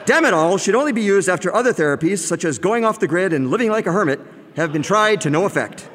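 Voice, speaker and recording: Drug-ad announcer, a man plays him, slick, high and lively, reverby. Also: fast, a little hiss or hum. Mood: salesy. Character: smooth adult male drug-ad announcer.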